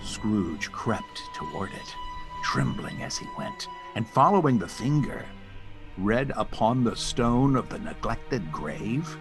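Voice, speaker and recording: An actor narrating a ghost story in a measured, theatrical, suspenseful style. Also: male voice, mid-range voice, very animated, music in the background, poor audio. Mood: solemn suspense. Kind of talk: scripted dramatic narration.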